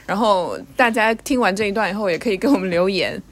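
A woman's voice: mid-range voice, fast talker. Cautious, reflective woman podcaster. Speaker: podcast co-host. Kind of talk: casual chat.

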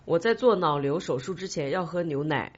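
A woman's voice: deep voice, expressive, brisk. A woman podcast host in casual chat, teasing and inquisitive, often cutting in. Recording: dull lo-fi audio.

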